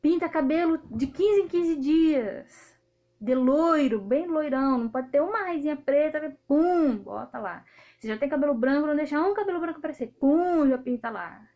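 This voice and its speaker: A Brazilian woman in her thirties, speaking with a Brazilian accent, talking straight to her viewers in a loud, outspoken, indignant way. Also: high voice, dull audio. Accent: Brazilian Portuguese. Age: 30s. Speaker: video host. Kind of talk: casual monologue to viewers.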